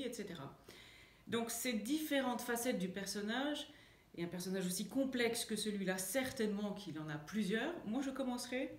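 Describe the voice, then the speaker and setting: A French woman, an author, answering interview questions with many fillers and restarts. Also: mid-range voice. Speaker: author and guest. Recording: echoey room.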